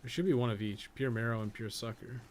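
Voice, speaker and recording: A man with an average-pitched voice talks through a video game in a casual, unscripted way. He rambles and thinks aloud, swearing mildly now and then. There is some faint noise behind him. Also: steady tone, fast, a little mellow. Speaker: podcast co-host playing a video game. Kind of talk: casual off-the-cuff game commentary.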